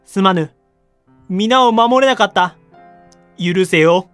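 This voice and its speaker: A man's voice: sits high, slow pace, fairly bright tone, faint music behind. A man playing an anguished samurai lord in a period voice drama, with theatrical, archaic warrior speech. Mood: mournful. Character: anguished samurai lord watching his castle fall.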